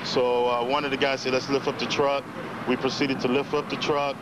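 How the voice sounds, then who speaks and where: An American man giving a halting, plain-spoken eyewitness account in a television news interview outdoors. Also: mid-range voice, little pitch movement, noisy background.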